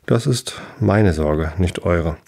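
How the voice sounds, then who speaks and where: Man voicing a sly old fairy shoemaker from a storybook, dismissive, dark rough tone. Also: deep voice, takes it slowly, exaggerated voice. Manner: curt, dismissive, slightly raised voice. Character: tiny old male fairy cobbler, sly and haughty.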